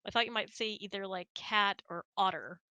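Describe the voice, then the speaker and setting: A woman's voice: mid-range voice, normal speed, pushed and bright, dry recording, highs cut off. A woman hosting a casual online hangout, chatting and answering audience questions in a giggly manner. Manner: giggly, laughs often while talking.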